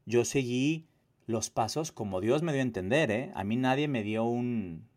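A man's voice: medium pitch, expressive, unhurried, a little mellow. A man giving a personal testimony monologue, emphatic, with repetition and rhetorical questions. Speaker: activist and abuse survivor telling own story.

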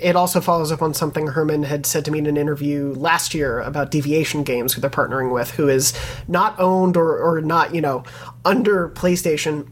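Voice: medium pitch, slightly rough. Rambling podcast host leading a panel. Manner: rambling, many restarts, leads questions. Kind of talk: casual panel discussion.

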